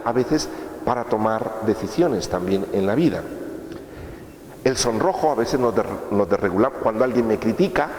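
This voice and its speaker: A man's voice: mid-range voice, a little mellow. A man giving a course lecture in a conversational way, asking rhetorical questions and checking in with his listeners. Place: lecture room. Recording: echoey hall, faint room noise.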